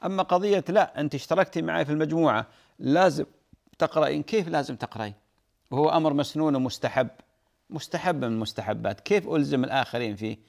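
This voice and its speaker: Brief: brisk male sheikh, fast delivery, repeats rulings to drive them home. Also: on the high side, creaky, darkish tone. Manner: explanatory, repeats key points for emphasis. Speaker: sheikh answering listeners' religious questions. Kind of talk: religious Q&A answers.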